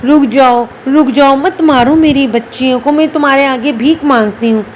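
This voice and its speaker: A woman voicing a poor widowed village mother who pleads softly for her daughters in a storybook tale. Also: high voice, moderate pace, dull audio, slight background noise, natural voice. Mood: begging.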